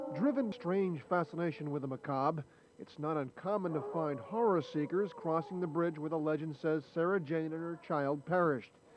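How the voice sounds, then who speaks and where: Normal speaking voice of a man, pitched fairly high, moderate in pace and ordinary in pitch variation. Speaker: TV magazine co-host. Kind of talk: TV news feature narration.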